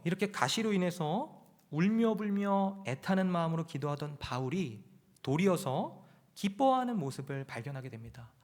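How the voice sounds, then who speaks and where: A man preaching a sermon at a Friday prayer meeting in a church, impassioned, swinging from loud pleading to hushed low asides. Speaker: pastor. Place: church sanctuary.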